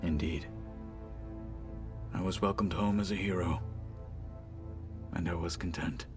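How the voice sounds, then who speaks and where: An actor playing a proud, battle-hardened tribal warrior in a video game, gravelly, with formal and solemn speech. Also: male voice, low voice, fairly even intonation, a little slow, music in the background. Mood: solemn, guarded. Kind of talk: dramatic video game acting.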